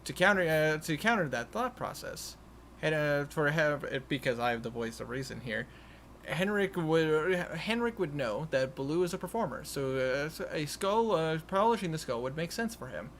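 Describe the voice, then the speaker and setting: A man improvising narration as game master of a tabletop game, haltingly repeating and restarting his phrases. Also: fairly high pitch, expressive, fairly bright tone. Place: online voice call. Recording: noisy home voice-chat recording.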